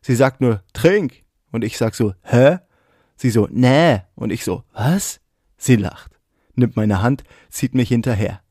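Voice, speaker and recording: A man's voice: lowish voice, fairly even intonation, normal speed, mellow, no echo, clean studio sound. A man performing his own spoken-word poetry in a rhythmic, vivid delivery, laughing off his own slips. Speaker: poet and podcast host.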